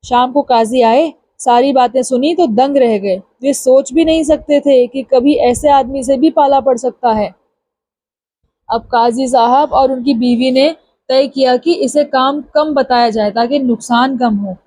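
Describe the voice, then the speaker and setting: Brief: female storyteller for an audio story library; even narration, dry close sound. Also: sits high, a little slow, no room sound.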